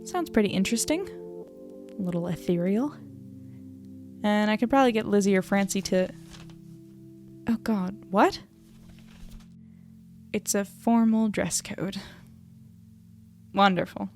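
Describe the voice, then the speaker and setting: Music plays clearly behind an actress playing a young woman reporter in an audio drama. She is plainspoken and troubled, with a medium-pitched voice and dry, understated sarcasm. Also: measured pace, pauses often, a little mellow, lightly acted. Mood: dryly exasperated. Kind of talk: audio drama acting, diary-like monologue and dialogue.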